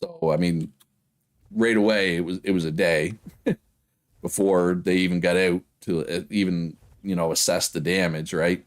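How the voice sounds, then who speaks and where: A man's voice: low voice, fairly even intonation, measured pace. A man with a Prince Edward Island Canadian accent chatting casually to viewers on a game livestream in a rambling way. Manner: rambling, often checks with "right?".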